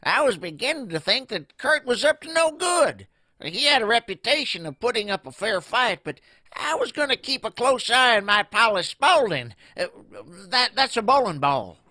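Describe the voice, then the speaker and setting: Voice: mid-range voice, very animated, moderate pace, sharp tone, no echo. A performer voicing a wary, wisecracking rat hoodlum in a comic audio drama, sardonic and given to stammering. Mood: wary, needling.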